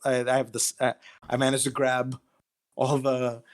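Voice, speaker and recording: A man's voice: mid-range voice, completely flat delivery, normal speed. A man speaking as a guest writer in a casual interview, modest and self-deprecating about himself.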